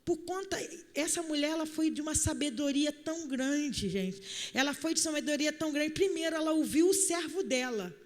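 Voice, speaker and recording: A woman's voice: high-pitched, moderate pace. A woman preacher, telling a personal story in a chatty sermon and speaking straight to the congregation. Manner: chatty, animated, addresses the congregation directly. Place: church hall. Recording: long hall reverb.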